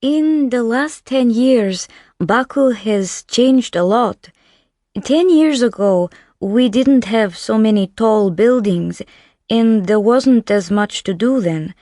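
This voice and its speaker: A woman giving a scripted interview answer in a measured, unhurried way. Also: on the high side, animated, mellow, no echo, clean studio sound. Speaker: interviewee in a listening exercise.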